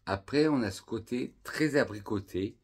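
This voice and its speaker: A man from France reviewing perfumes in a casual vlog, calmly and unhurriedly listing scent notes one by one. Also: medium pitch, moderate pace, husky.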